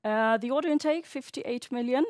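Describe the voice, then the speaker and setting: A woman's voice: a little high, moderate pace, darkish tone, no echo, studio quality. A woman speaking as a chief financial officer, presenting figures on an earnings call.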